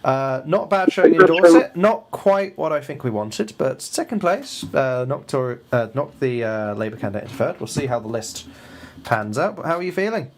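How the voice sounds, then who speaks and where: A man's voice: medium pitch, lively intonation, moderate pace, slight background noise. A man hosting a casual live election stream, rambling through results with fillers and restarts.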